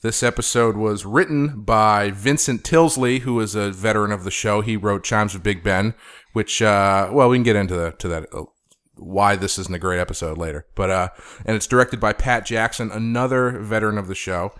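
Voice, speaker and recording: Brief: male podcast host, lowish voice, easygoing rambling delivery, studio mic. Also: moderate pace. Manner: relaxed, rambling with fillers. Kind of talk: casual podcast chat. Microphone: studio microphone.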